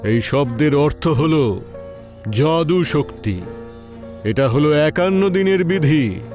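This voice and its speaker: Casting: male narrator as solemn tantric holy man, slow and ominous, fairly high male voice, horror tale with music. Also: lively intonation, a little mellow. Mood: grave, warning. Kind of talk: horror audio storytelling.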